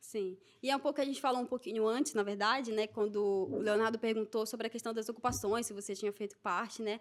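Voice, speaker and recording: A woman's fairly high voice with a slight Pará accent, very fast, with ordinary pitch variation. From Pará, northern Brazil. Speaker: podcast host. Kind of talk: interview.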